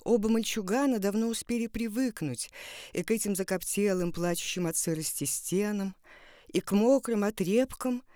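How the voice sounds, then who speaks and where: A woman reads literary prose as a dramatic narrator. Her delivery is deliberate and expressive, at a medium pitch, recorded dry and close. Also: no room sound.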